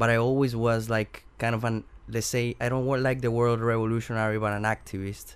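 A man talks at a fairly quick pace with a medium pitch. His intonation is monotone and flat, and his loudness very even. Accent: Colombian. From Colombia, Bogota. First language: Spanish. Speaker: photographer, former cook. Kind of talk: interview. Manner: halting.

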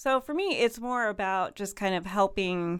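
A woman with a Chicago accent, medium in pitch, at a moderate pace with ordinary pitch variation, on a very clean recording with a silent background. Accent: Midwestern American (Chicago-area). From Illinois (Kankakee area). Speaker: cat café co-owner and realtor. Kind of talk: radio interview. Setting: studio.

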